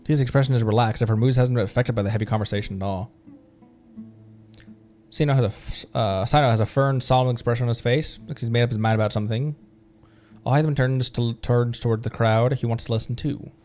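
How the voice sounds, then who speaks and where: A man's voice: medium pitch, fairly even intonation, quick pace, darkish tone. A man livestreaming a game, chatting casually and reading dialogue aloud in a playful way. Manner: playful, silly sound words, stumbles while reading. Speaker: streamer. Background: game music.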